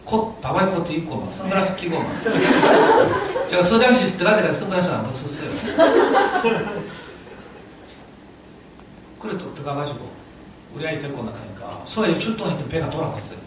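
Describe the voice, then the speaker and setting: A man's voice: fairly high pitch, a little fast, pauses often. Middle-aged gyeongsang guy telling a story at a talk, laughs a lot, far off mic, big echo. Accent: Gyeongsang (Daegu). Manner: animated storyteller, laughs often while telling. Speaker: parent speaking at a parenting lecture. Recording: echoey hall, distant mic, audible room noise.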